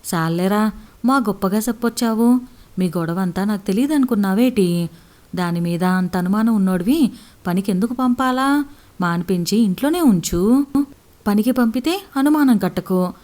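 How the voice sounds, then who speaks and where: A woman's voice: medium pitch, expressive, normal speed, a little mellow, natural voice. A woman voicing a stern male village elder who bluntly rebukes a jealous husband in rustic speech. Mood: scolding.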